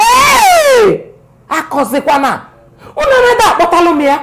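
In a put-on character voice, someone shouts at an extremely high pitch with very wide pitch swings and a fairly slow pace. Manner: loud, shouting.

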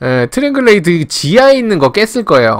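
The voice is raised and projected, animated, bright and sharp, with very wide pitch swings. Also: man. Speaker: game streamer. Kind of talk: live game commentary. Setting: live stream. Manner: animated, talks to himself and chat.

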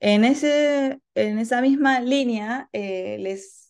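The speaker is a woman with a high-pitched voice. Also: quiet background. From Chile. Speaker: dancer and researcher; presenter. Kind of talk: academic presentation. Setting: video call. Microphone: video call.

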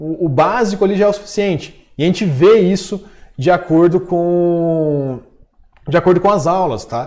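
A man speaks at a moderate pace in a high voice, with ordinary pitch variation over a quiet background. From Brazil. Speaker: live-stream instructor. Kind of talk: casual live stream teaching. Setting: live stream, online. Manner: informal, chatty, filler words. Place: home room. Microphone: lapel.

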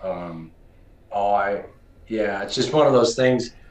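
Amid audible room echo, a man with a medium pitch speaks at a fairly slow pace with ordinary pitch variation. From Wyoming (Worland); Wyoming. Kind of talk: casual interview. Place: home room.

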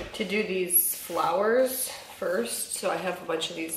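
Light background noise and audible room echo surround a woman speaking at a fairly slow pace with ordinary pitch variation. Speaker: vlogger. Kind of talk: casual vlog chat. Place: garden. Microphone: camera far.

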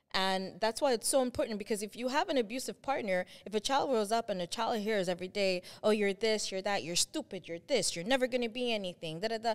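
A woman's fairly high voice with a slight Long Island accent, lively intonation and a very fast pace against a quiet background. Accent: slight New York (Long Island). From Long Island, New York; New York. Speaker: author and blogger; podcast guest. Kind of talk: casual interview chat. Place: studio. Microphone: studio mic.

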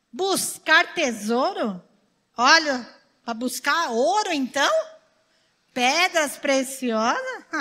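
Against a quiet background, a woman speaks very slowly in a raised, projected, high voice with a bright, sharp tone and lively intonation, pausing long and often. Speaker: pastor. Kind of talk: sermon. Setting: church. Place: church. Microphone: handheld.

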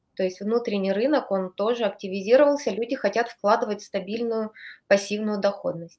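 Against a quiet background, a woman with an ordinary speaking voice talks at a fairly high pitch and moderate pace, her intonation fairly even. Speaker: real estate agent. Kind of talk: expert interview in webinar. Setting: video call. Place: home room.

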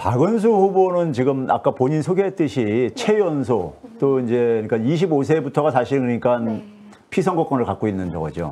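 Light background noise sits behind a man speaking. His pitch swings very widely. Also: moderate pace. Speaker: professor and party co-leader hosting the show. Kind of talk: political interview talk show. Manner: halting, many filler words. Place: studio. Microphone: lapel.

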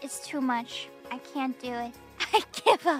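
A woman speaks in a raised, projected voice over clear background music. The sound is dry, with no echo. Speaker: VTuber streamer. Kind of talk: casual live-stream talk. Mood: playful, giggly. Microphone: studio mic.

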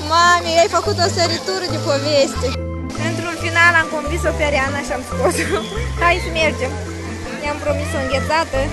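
Loud music plays in the background while the speech moves at a moderate pace. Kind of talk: casual vlog chat. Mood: cheerful, affectionate. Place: street. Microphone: phone near.

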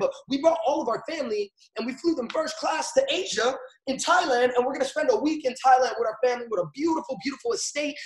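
Over a quiet background with audible room echo, a man speaks loud and very fast in an extremely high pitch with an animated tone. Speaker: network marketing trainer. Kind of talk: motivational training session; high-energy pep talk. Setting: live video call. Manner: loud, rallying, repetitive hype. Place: home room. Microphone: webcam.

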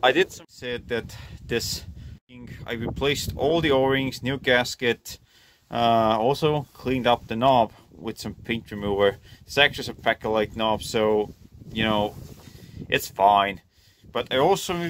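There is light background noise as a man talks fairly slowly with ordinary pitch variation. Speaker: hobby tractor restorer. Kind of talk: tutorial. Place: open country. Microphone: phone near.

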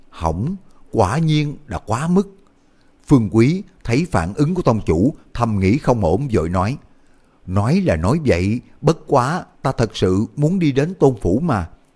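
His pitch swings very widely as a man talks. The pace is fairly slow and the voice somewhat breathy. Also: quiet background. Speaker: audiobook narrator. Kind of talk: audiobook novel reading. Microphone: studio mic.

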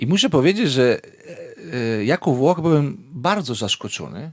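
A fairly high-pitched man's voice on a very clean recording with a silent background. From Italy, Veneto region near Venice. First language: Italian (speaking Polish). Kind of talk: radio interview. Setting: radio studio. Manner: hesitant, with fillers.

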